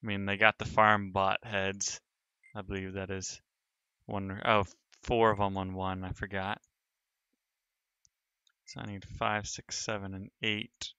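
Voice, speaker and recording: A male streamer talks his way through a building session in a relaxed, unhurried way, narrating every step as he works. His voice sits a bit low but sounds bright and forceful. It comes across smooth and crisp. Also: no echo. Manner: thinks aloud while working, narrating each step. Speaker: streamer building in a sandbox game. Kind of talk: casual live-stream commentary.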